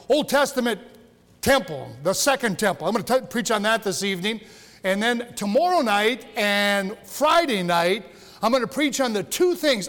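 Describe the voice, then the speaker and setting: A high-voiced older man preaching in a church, his words trailing off in a long hall reverb. He is a pastor in his sixties, folksy and joking, often stumbling and restarting his sentences. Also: fairly bright tone. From Michigan. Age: 60s. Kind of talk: sermon. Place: church sanctuary.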